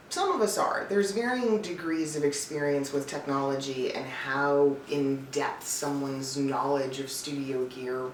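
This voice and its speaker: Low-voiced woman coach in a roomy space. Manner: chatty, emphatic, informal, addresses listeners directly. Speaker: host, voice-over coach and casting director. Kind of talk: scripted-feeling advice vlog to camera. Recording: roomy echo, distant mic, faint noise.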